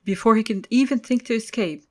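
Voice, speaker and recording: A woman's voice: on the high side, a little fast. A woman reading scripted third-person story narration for an audio drama.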